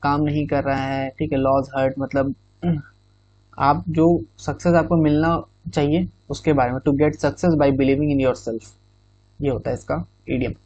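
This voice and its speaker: A man's voice: a little high, fairly even intonation, unhurried, darkish tone, no room sound. A male exam-prep teacher explaining idioms in Hindi with English phrases, often checking in with "theek hai". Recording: dull, muffled recording.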